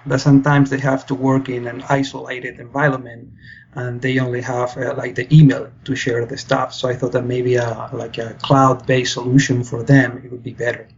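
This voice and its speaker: In a level, mid-range voice at a moderate pace, a young man from Spain explains his PhD work earnestly during a podcast interview, stumbling through many fillers and restarts. The audio is dull, with a little hiss or hum.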